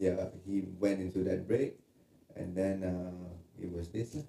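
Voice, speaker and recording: Very slow and somewhat breathy, a man speaks with a very deep, low pitch and a dark, mellow tone. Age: 40s. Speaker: fashion creative director. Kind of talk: casual interview. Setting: studio couch.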